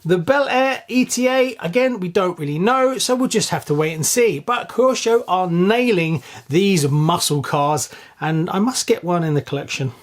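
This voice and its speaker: A man's voice: high-pitched, normal speed. A man hosting his own channel, giving a casual, chatty news roundup straight to his viewers with open enthusiasm. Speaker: channel host.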